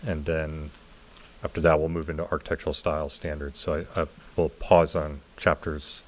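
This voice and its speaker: A man's voice: a bass voice, flat delivery, normal speed, a little hiss or hum. A man giving an informal, explanatory presentation as a planning consultant in a council meeting room.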